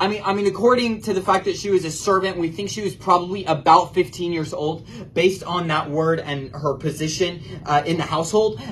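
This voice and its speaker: An animated man at a fairly quick pace, with light background noise. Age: young. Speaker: young preacher. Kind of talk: sermon. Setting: video call. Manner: halting. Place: empty room. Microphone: camera far.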